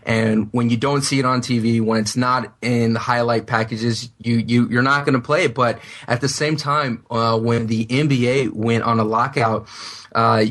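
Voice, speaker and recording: A man's voice: mid-range voice, fairly even intonation, normal speed, fairly bright tone. A young man from Texas reviewing a hockey video game on a panel, explaining earnestly with many ums and uhs.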